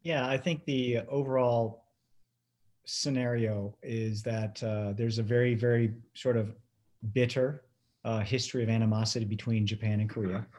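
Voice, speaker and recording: A man's voice: medium pitch, steady tone, moderate pace, darkish tone. A man, a guest in a casual interview, speaking earnestly and reflectively. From United States.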